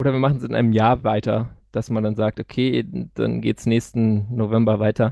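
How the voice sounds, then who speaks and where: The speaker is a man with monotone, flat intonation. He keeps to a moderate pace. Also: medium pitch for a man. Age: 30s. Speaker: podcaster and Linux enthusiast. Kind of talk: casual chat.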